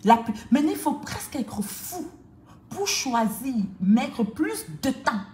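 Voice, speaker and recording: A woman's voice: high voice, big pitch swings, slow pace, a little mellow. A woman coach giving a motivational talk to the viewer, emphatic and repetitive in a preaching cadence. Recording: echoey room with faint noise.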